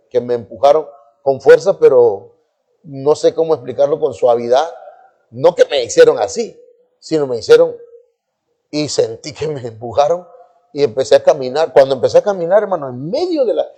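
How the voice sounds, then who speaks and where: A man with a Mexican Spanish accent preaching and telling his testimony with emotion, rising high when he quotes others and dropping low for hushed prayer. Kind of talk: sermon testimony. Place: church.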